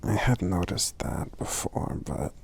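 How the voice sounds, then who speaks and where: A man playing a friendly, gentle giant in an ASMR roleplay, speaking softly and hesitantly in a breathy, gravelly voice that often nears a whisper, with murmured hums between phrases. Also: deep voice, very animated, a little slow, exaggerated voice. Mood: kind, curious.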